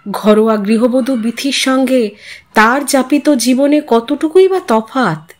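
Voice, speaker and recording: A woman reading a literary short story aloud as an expressive narrator and host. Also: sits high, measured pace.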